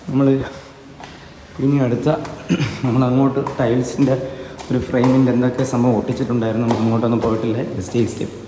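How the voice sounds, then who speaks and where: Upbeat man touring on foot. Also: medium pitch. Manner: enthusiastic, repeats stock praise words. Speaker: vlogger. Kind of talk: walking tour vlog. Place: outdoors and inside an empty building, walking. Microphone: phone camera held while walking. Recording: phone recording with clear street noise.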